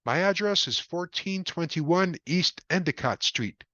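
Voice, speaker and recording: A man's voice: animated, a little slow, sharp tone, no room sound, highs cut off. A man doing a frantic panicked homeowner. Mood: flustered. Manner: shrill, desperate, raised voice.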